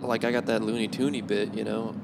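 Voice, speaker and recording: Gravelly low-voiced man over loud road noise. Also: flat delivery, a little fast. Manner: hesitant, slangy, sweary. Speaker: amateur stand-up comedian, podcast co-host. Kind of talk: casual chat between comics. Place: inside a car driving on the road. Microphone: handheld microphone held close to the lips. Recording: loud road noise inside moving car.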